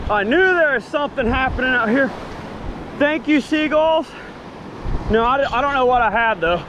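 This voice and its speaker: A man hosting a fishing vlog, chatting casually and excitedly while casting and fighting fish from the surf. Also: very high voice. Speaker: fishing channel host. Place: sandy ocean beach outdoors at sunrise. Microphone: chest-mounted action camera. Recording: outdoor action cam with surf noise. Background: surf and waves.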